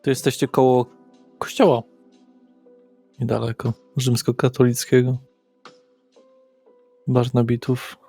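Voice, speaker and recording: A man's voice: mid-range voice, level tone, slow, creaky, long pauses, warm tone, slightly rough, faint music behind. A man narrating a tabletop roleplaying game as its game master.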